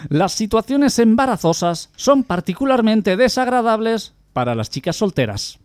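A man's voice: high-pitched, very animated, normal speed, darkish tone, soft background music. A man hosting a radio comedy show, reading odd news stories and telling jokes.

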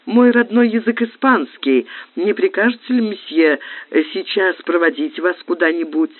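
A man voicing a thin, timid middle-aged hotel guide who speaks softly and deferentially. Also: high voice, moderate pace. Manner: soft-spoken, deferential. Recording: tinny phone-like lo-fi recording.

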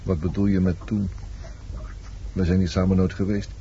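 A dull, clearly noisy old radio play recording features a weary sailor with a low voice. He is reluctant, curt and practical in his talk. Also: flat delivery, normal speed, dark tone. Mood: defensive. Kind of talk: Dutch radio play acting.

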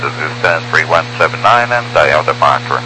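A man's voice: very deep voice, expressive, normal speed. A man speaking as a pilot, making clipped radio calls and readbacks in police-radio style. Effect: two-way radio transmission. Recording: noisy radio with mains hum.

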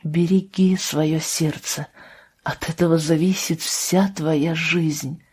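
Woman doing a quiet, patient young man. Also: normal speed, breathy edge. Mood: restrained. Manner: low, restrained and soft. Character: calm, patient young man, firm but gentle.

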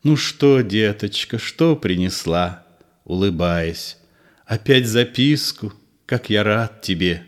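A man voicing a gentle, nervous middle-aged man in a read-aloud play, low and soft. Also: expressive, slow. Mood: soothing.

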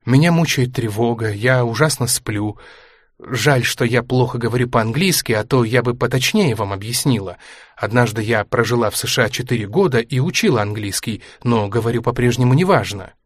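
A man reading a book aloud, voicing an aging former ballerina who is anxious, proud and sharp-tongued, in a higher, tense voice. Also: moderate pace, dry recording, clean studio sound, lightly acted. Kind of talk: audiobook character reading.

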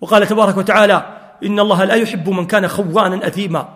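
A man delivers a fervent sermon in a high, carrying voice. His words ring out with a long reverb, as if in a large mosque or lecture hall. He weaves scripture quotations into his preaching. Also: fairly even intonation, very fast, a bit bright. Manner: fervent, quotes scripture and stories.

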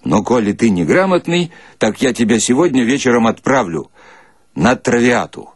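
Man acting a stern, hectoring army commissar, animated delivery. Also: mid-range voice, moderate pace, breathy edge, dry recording, studio quality. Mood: brusque, scolding. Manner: hectoring, colloquial, emphatic. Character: stern, gruff military commissar scolding a soldier.

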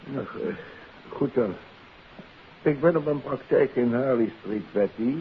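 A man playing a courteous, resigned middle-aged doctor and father in a 1950s radio play, formal and measured. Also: medium pitch, natural voice. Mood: polite. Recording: muffled, hissy 1950s radio recording.

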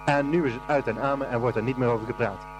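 An actor playing a kindly, pious Catholic brother and headmaster in a radio play, patient and preachy. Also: male voice, medium pitch, quick pace, noisy background, natural voice. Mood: earnest admonishing.

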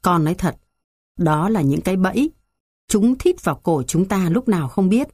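A woman's voice: lowish voice, animated, moderate pace, a little mellow, breathy edge, no echo, clean studio sound. A woman reading an anxious old landowner. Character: worried old village landowner, elderly man.

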